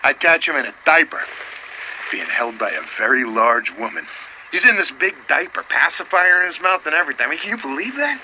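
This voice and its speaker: An actor playing a wry, world-weary private detective, rambling through slangy case stories in a noir audio drama. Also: male voice, a little high, big pitch swings, brisk. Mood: incredulous, amused. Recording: dull, noisy old tape recording.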